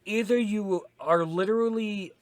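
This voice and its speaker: A man's voice: high voice, a little slow, no room sound. A man reading a written article aloud as a host, in an exaggerated, mock-serious theatrical delivery.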